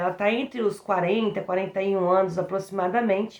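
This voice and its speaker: This woman uses a normal speaking voice with a medium pitch. She keeps a moderate pace, and her intonation stays fairly even. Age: 40s. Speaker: relationship vlogger. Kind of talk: casual vlog storytelling.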